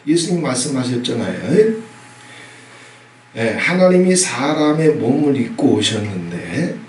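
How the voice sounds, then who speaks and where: A middle-aged male pastor giving a sermon, emphatic and conversational, often prompting the congregation with short questions and sudden loud outbursts. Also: mid-range voice. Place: church sanctuary. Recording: echoey hall, from a distance, faint noise.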